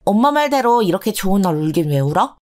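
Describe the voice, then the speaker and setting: A woman's voice: medium pitch, sing-song, fast talker, close to an everyday voice. A woman voicing a cheerful teenage son and daughter who tease and encourage their mother. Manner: bright, cheeky and encouraging.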